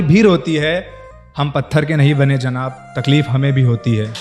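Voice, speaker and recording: A man speaks with music in the background. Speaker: poet. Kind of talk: spoken word poetry performance. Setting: live stage event.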